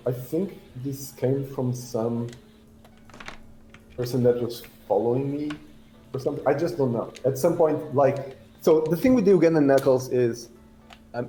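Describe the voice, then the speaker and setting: Mellow, halting man in casual conversation. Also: mid-range voice, faint music behind, rough recording. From Portugal. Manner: halting, rambling, blunt. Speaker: guest. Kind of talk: casual interview on a livestream.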